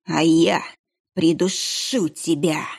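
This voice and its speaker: A sinister hooded monk from an audiobook who hisses every threat in a slow, drawn-out, snake-like voice. The tone is low, gravelly and husky, as a woman narrator puts him on. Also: steady tone, exaggerated voice. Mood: menacing hiss. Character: sinister hooded male monk, menacing and cruel.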